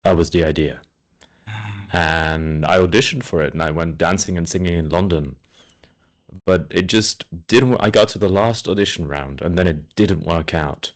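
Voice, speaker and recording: A man raised in Switzerland, a guest in an interview, telling his story in a relaxed and friendly way. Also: deep voice, moderate pace. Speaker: interview guest, speaker agent. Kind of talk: conversational interview.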